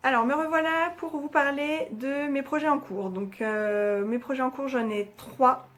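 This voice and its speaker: A woman's voice: high voice, fairly even intonation, unhurried, fairly bright tone. A young woman hosting a knitting podcast, chatting hesitantly with many fillers as she shows her projects. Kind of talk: casual chat showing knitting projects.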